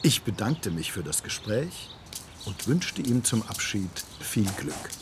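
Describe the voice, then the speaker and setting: A man reading scripted narration for a radio play in a measured, literary way. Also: fairly low pitch, sing-song, vocal fry, noisy background.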